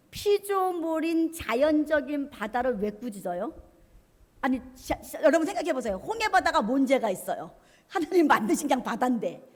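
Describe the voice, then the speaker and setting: A woman pastor preaching an impassioned sermon, swinging between hushed and loud, acting out the words of God and of tempters. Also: sits high. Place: church sanctuary. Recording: long church hall reverb.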